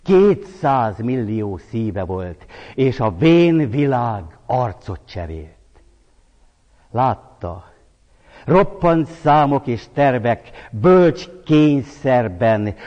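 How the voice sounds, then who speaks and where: A man's voice: mid-range voice, darkish tone. Solemn man reciting verse, echoing. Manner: measured, solemn declamation. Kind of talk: poetry recitation. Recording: dull lo-fi recording with long reverb.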